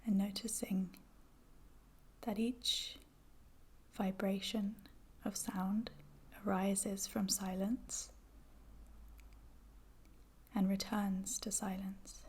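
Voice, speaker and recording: A woman with a soft, whispery voice guides a meditation in a soothing, gentle, measured manner. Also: medium pitch, level tone, slightly rough. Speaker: yoga nidra guide.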